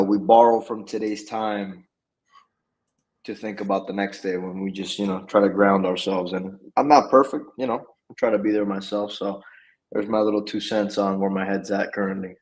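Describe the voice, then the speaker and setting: A male co-host with a low, flat, even voice and little rise and fall. He speaks in a reflective, easygoing way, slow to get to the point. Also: rough recording. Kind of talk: casual chat.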